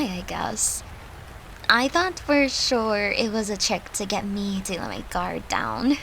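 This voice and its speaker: A woman's voice: mid-range voice, noisy background. A woman playing a tender human girlfriend, an occult summoner confiding in her demon lover in an intimate, earnest audio roleplay. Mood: wry, fond. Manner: soft, earnest, confiding, with sighs and breathy laughs.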